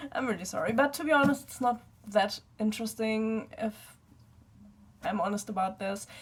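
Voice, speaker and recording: A woman with a German accent, somewhat breathy, fairly high in pitch, with ordinary pitch variation. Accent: German accent, noticeable. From Germany. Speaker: book vlogger. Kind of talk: casual book review vlog. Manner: halting, many fillers.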